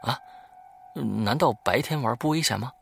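A man's voice: mid-range voice, moderate pace, gravelly, a bit bright, slight background noise. A man doing a jumpy, curious young boy. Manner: startled, questioning.

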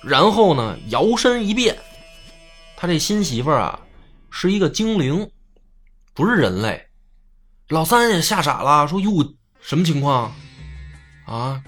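A man's voice: a little high, big pitch swings, a little slow, pauses often, a bit bright, faint music behind. A man telling a folk tale in a chatty, joking way with asides. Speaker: storyteller. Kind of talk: casual comic storytelling.

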